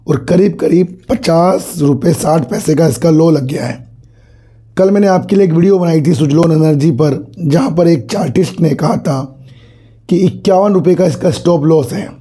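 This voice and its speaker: A hoarse man with a cold hosts his own market commentary, talking casually to viewers as sir. His voice is very dark and mellow and sits a bit high for a man, with a husky edge. He repeats phrases as he goes. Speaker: stock market channel host.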